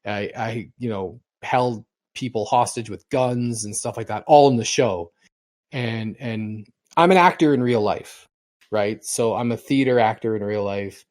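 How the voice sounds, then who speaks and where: This podcast co-host is a middle-aged man with a lowish, darkish voice and a somewhat slow delivery. His stories run long and wander, and he keeps repeating himself and starting words over.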